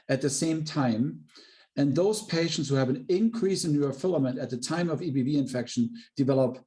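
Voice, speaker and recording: A man speaking as a company executive answering questions on an earnings call, explaining in a halting way with repeated words. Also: medium pitch, warm tone.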